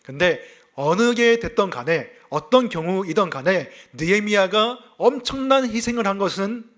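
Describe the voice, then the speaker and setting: A male pastor from South Gyeongsang with a faint Gyeongsang accent, giving a sermon in a lively, conversational way. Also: high-pitched. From South Gyeongsang, South Korea. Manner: lively, conversational preaching with self-deprecating laughs.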